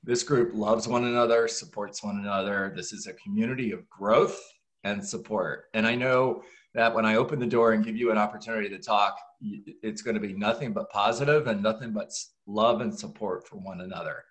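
Lowish-voiced middle-aged male group host. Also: fairly even intonation, fairly quick, fairly bright tone. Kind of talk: motivational group facilitation. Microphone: computer mic on a video call, no headset.

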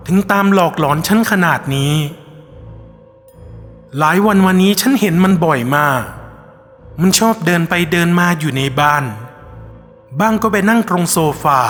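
A man telling a scripted ghost story in a measured, somber first-person voice. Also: high-pitched. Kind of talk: scripted horror narration. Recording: long reverb with soft music behind.

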